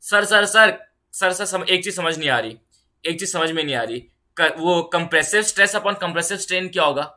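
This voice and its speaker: A woman's voice: fairly low pitch, a little fast, pushed and bright. A woman playing an eager student pestering "sir". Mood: pleading. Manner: urgent, repeats "sir" over and over.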